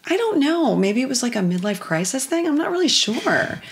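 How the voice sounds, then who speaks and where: Woman guest in casual chat, slightly raspy and gravelly, talks in thoughtful, filler-laden runs. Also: high voice, sing-song, brisk, a little hiss or hum. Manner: chatty, reflective, many fillers. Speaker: guest, actress. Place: kitchen.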